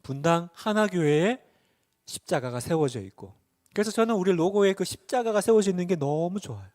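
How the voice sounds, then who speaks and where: Male pastor, middle-aged, high voice, swooping lively delivery, sermon with rhetorical questions. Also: fairly quick. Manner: animated, rhetorical questions to the congregation; acts out voices in stories.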